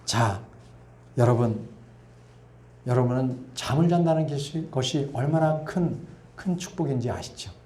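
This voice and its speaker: A middle-aged male pastor preaching an earnest sermon, sometimes softly voicing God's gentle words. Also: medium pitch, unhurried, long pauses, a little hiss or hum. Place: church sanctuary. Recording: echoey church hall.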